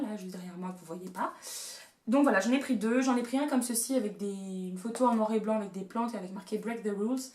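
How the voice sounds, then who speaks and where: With a darkish, mid-range voice, this twenty-something woman walks through her shopping haul in a room at home, gushing and chatting casually. She's a beauty and haul vlogger who drops playful asides, and the room sounds echoey.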